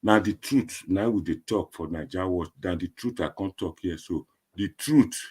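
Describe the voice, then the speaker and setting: Deep, husky Nigerian Pidgin-speaking man. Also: normal speed, a little mellow. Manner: repetitive, emphatic, rambling. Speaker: online political commentator. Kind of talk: informal Nigerian Pidgin commentary to online viewers.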